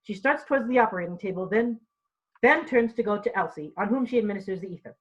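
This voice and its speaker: A woman's voice: medium pitch, expressive, quick pace, breathy edge, lo-fi sound. A woman reading stage directions in an informal read-through, tripping over and repeating words now and then.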